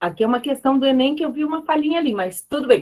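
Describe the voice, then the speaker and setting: A woman's high voice with very wide pitch swings at a very fast pace. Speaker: Portuguese teacher. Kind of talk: online lecture. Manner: hesitant, with many fillers.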